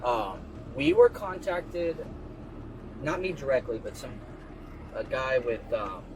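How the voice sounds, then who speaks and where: A man speaking as a police investigator in a medium-pitched, matter-of-fact voice. He asks procedural questions casually and pauses to find his words. The bodycam recording has clear outdoor noise behind him. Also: big pitch swings. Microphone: body-worn camera. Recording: noisy outdoor bodycam audio.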